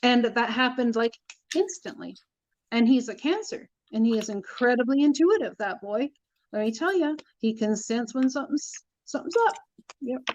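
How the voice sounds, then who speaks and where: A woman's voice: on the high side, expressive, normal speed, darkish tone, no room sound. A middle-aged woman teaching tarot, talking earnestly in a casual spiritual chat, repeating her points for emphasis. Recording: dull lo-fi sound.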